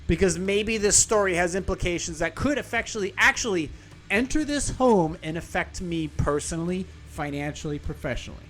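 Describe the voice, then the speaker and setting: A man hosts a podcast in a loose, sarcastic way, cursing freely and correcting himself as he reads. His voice sits a little higher than most men's. Soft music plays faintly under him. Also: expressive, a little fast. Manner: sarcastic, profane, rambling with self-corrections. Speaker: podcast host. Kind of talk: casual commentary, reading an article aloud.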